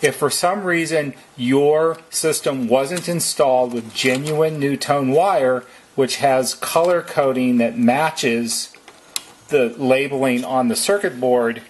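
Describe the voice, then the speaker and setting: A man giving methodical, step-by-step instructions as a repair technician, in a deliberate how-to narration. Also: mid-range voice, a little hiss or hum.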